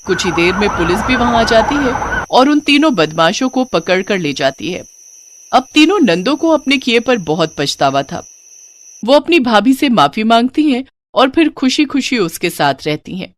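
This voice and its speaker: A woman narrating a scripted moral story in an expressive storytelling style. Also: on the high side, normal speed.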